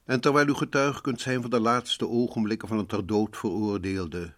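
An actor playing a sinister, theatrical host in black, narrating a radio horror series in an ominous, deliberate way. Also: male voice, fairly low pitch, steady tone, lightly acted. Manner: ominous, deliberate, sometimes sinking to hushed tones. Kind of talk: dramatic scripted radio narration.

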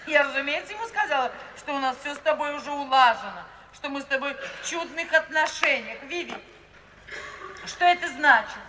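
A woman's voice: high-pitched, lively intonation, a little fast. An actress playing an emotional, coarse-edged middle-aged mother in a 1950s radio play, plaintive and exclamatory. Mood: anxious, coaxing. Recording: distant, roomy old radio recording, hiss.

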